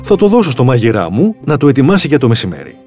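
A man's voice: mid-range voice, huge pitch swings, darkish tone, faint music behind. A man doing a pleased storybook king. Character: curious, easily pleased old king. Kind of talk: storybook reading.

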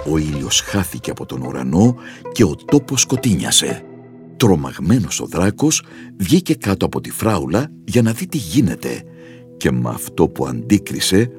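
Deep male narrator for a kids' storybook, animated and expressive.

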